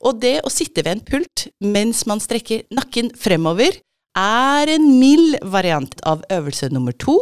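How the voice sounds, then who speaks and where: A woman's voice: fairly high pitch, big pitch swings, clear, resonant tone, dry recording, studio quality. A woman hosting a conversation, explaining voice exercises and guiding the others through them. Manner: guiding, explanatory, laughs easily. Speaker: host leading voice exercises. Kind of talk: instructive podcast conversation.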